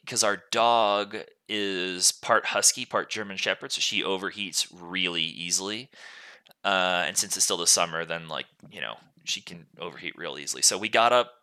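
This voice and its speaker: A young man with a fairly low voice and a very bright, forceful edge. He chats casually as a podcast host, wandering from point to point and cutting into his own sentences. The delivery is clean and crisp, close to the mic. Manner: rambling, frequently self-interrupting. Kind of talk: casual chat.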